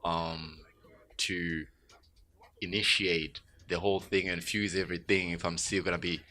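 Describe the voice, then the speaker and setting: A man from Tanzania, a guest musician, talking in a radio studio interview, reflective and growing emphatic when excited. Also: low voice, a little slow.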